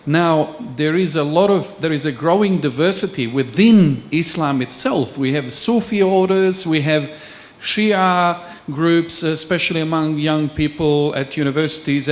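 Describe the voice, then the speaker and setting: Man asking a question. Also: on the high side. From Bosnia. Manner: measured, searching for words. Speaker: audience member asking a question. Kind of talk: forum question from the floor.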